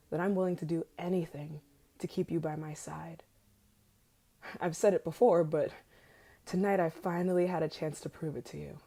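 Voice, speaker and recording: A woman's voice: lowish voice, mellow, breathy edge. A woman playing an obsessive, possessive, murderous yandere lover in an intimate ASMR roleplay monologue, moving between whispers and frantic outbursts. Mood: wounded, pleading.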